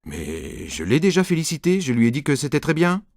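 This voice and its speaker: A man's voice: fairly high pitch, huge pitch swings, fairly quick, a little mellow, no room sound, studio quality, voice pushed up. A man reading a tired, distracted father.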